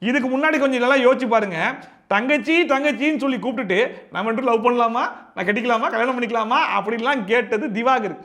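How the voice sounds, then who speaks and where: Man, reality show commentary, sarcastic, animated, quick patter, unusually high pitch. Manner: sarcastic, animated, rhetorical questions. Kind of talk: fast opinionated commentary.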